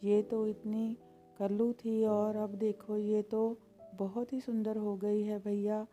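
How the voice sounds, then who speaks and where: A woman's voice: medium pitch, level tone, takes it slowly, warm tone, faint music behind, natural voice. A woman voicing an exclaiming, gossiping village man in a storybook tale. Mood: amazed.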